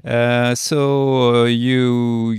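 A man's voice: medium pitch, level tone, darkish tone, clean tone, dry recording, clean studio sound. A man hosting a radio interview, translating his own questions into simple English for the guest, hesitant and full of restarts. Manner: halting, many fillers and restarts. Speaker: radio host. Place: radio studio.

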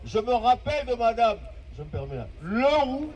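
A man in his fifties, a long-time care aide, giving an impassioned, oratorical testimony full of dramatic pauses and repetition. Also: very high-pitched, very animated, a little mellow, recorded from a distance, low-quality recording. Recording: voice from off-mic.

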